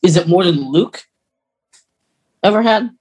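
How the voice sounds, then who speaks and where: A man with a somewhat high-pitched voice co-hosts a fan podcast. He talks casually and tends to hesitate, backing up to begin a thought again. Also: lively intonation, unhurried, a little mellow, breathy edge. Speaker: podcast co-host.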